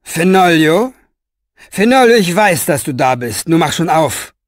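A demanding younger writer, as a man reads him out, calls loudly and presses with questions. His voice rises higher than the narration and sounds dry and near. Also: animated, moderate pace, no echo. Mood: insistent. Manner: insistent, calling through a door. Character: pushy younger male writer, insistent and demanding.

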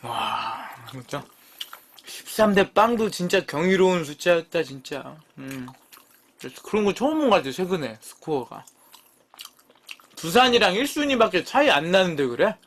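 Lively, foul-mouthed young Korean streamer man. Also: sits high, normal speed, a little hiss or hum. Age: 30s. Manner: swears freely, teasing and bickering with chat; lively, jumps between mumbling and loud outbursts. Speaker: live-stream eating show host. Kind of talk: casual live-stream chat with viewers.

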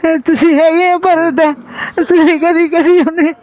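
An older woman living in a shelter who pleads softly to be taken back to her village. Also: very high-pitched, flat delivery, moderate pace, slight background noise. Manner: pleading, asks to be taken home. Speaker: shelter resident.

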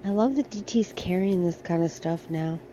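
A woman's voice: fairly low pitch, normal speed, warm tone, a little hiss or hum. Chatty American woman browsing a store. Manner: chatty, thinking aloud while browsing. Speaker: shopping vlogger. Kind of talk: casual shop-with-me vlog. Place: large discount store aisles. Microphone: handheld phone camera.

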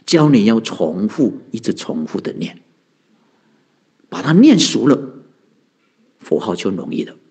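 A man's voice: fairly low pitch, big pitch swings, unhurried, long pauses, darkish tone, husky. A man, a Buddhist monk giving a conversational dharma talk, asking rhetorical questions and answering them, chuckling often. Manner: chuckles often, heavy use of sentence-end particles.

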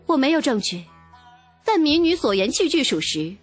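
Woman voicing high, defiant young court lady. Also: very animated, moderate pace, faint music behind. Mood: defiant, indignant. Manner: cool, mocking, proud. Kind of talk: audiobook character acting.

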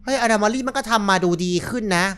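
A young man giving casual let's-play commentary on a horror game, excitable, swearing and yelping when startled. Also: sits high, a little fast, clean tone, soft background music. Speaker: gaming YouTuber.

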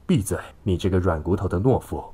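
A man's voice: sits low, lively intonation, a little fast, background noise. A man voicing a belligerent, contemptuous middle-aged father in an audiobook story, scolding and sneering. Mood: enraged.

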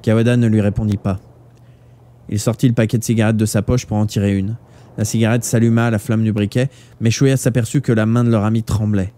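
A man reading a novel aloud live, with expressive narration. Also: lowish voice. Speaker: audiobook reader.

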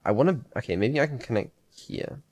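A man's voice: mid-range voice, lively intonation, fairly quick, a little mellow, breathy edge, dry recording. A man streaming a game and chatting casually, with understated, dry reactions. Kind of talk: casual chat while gaming.

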